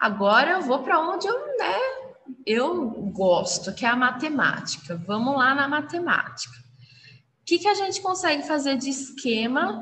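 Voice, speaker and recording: Over noticeable background noise, a woman with a high pitch uses a raised, projected voice and an animated tone, swinging very widely in pitch at a fairly slow pace. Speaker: school teacher. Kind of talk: online class lesson.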